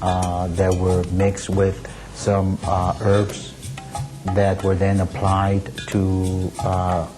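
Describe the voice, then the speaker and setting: A man from Texas sharing personal recollections in a halting, hesitant way. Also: low-pitched, monotone, music in the background. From Texas, United States. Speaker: interviewee sharing family experience.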